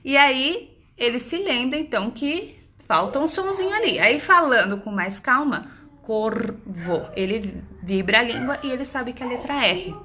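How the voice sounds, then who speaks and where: A woman's voice: sits high, lively intonation, moderate pace, hardly any pauses, pushed and bright, a little hiss or hum. A woman, an educator, patiently explaining early reading to parents in a casual, reassuring tone. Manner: reassuring, patient, says "né?" often. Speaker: homeschooling educator. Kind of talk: casual teaching talk to parents.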